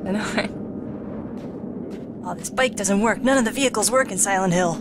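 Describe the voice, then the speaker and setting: A woman's voice: mid-range voice, fairly quick, background noise. A woman hosting a casual video game commentary in a joking, sarcastic manner. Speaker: Let's Play host.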